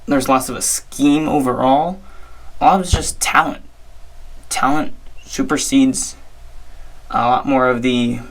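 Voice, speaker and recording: A hoarse young man hosting his own podcast, giving chatty, upbeat sports talk with frequent restarts. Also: medium pitch, fairly even intonation, a little slow, pauses often, poor audio. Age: young adult. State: hoarse, strained voice. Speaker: podcast host. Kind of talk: casual solo sports talk.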